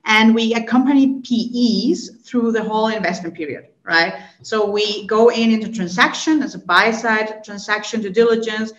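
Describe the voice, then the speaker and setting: A woman's voice: fairly high pitch, fairly even intonation, normal speed, few pauses, echoey room, muffled recording. A woman in her thirties from Colombia, a consulting executive answering podcast interview questions fluently, often checking in with "right?". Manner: fluent, explanatory, frequent "right?" and "um" fillers.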